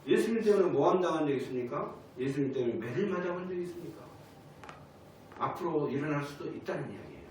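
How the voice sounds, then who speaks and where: A man's voice: fairly high pitch, sing-song, fast talker, a little mellow, a little hiss or hum. A male pastor preaching a Sunday sermon and questioning the congregation. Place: church sanctuary. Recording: echoey church hall from a distance.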